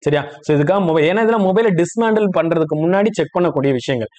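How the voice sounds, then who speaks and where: A man with a fairly high voice speaks very quickly as an instructor. He explains things step by step, pausing to check that the listener follows. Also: lively intonation, a little mellow. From India. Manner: explanatory, checks understanding with short questions. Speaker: phone repair instructor. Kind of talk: spoken tutorial, step-by-step explanation.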